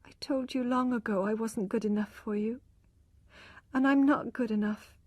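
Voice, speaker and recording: A woman voicing an ashamed young wife near tears, speaking in a high, trembling, pleading voice. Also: slow pace, a little mellow, no room sound. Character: tearful, ashamed young wife, humble and despairing.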